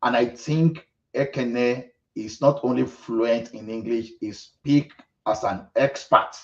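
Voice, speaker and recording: A man's voice: mid-range voice, slow, far from the mic, lo-fi sound. A man with an Ekiti Yoruba accent from Nigeria, arguing earnestly as a panelist in a live online discussion. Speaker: panelist on a live audio show.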